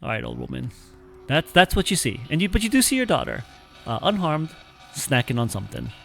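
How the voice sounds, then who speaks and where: A man running an online tabletop game as game master, narrating a scene in a halting way, full of fillers. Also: a little high, sing-song, gravelly, a bit bright, faint music behind.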